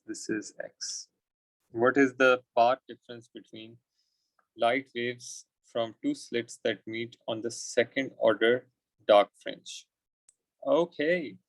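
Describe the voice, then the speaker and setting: South Asian man tutoring, with a creaky voice. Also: medium pitch, no echo, low-quality recording. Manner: informal, thinking aloud in short phrases. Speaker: physics tutor. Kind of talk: working through exam questions aloud.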